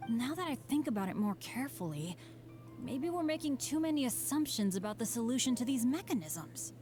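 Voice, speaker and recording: Earnest, unlucky teen boy adventurer, boyish higher voice, lively delivery, music behind. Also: brisk. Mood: thoughtful, eager. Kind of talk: video game character voice acting.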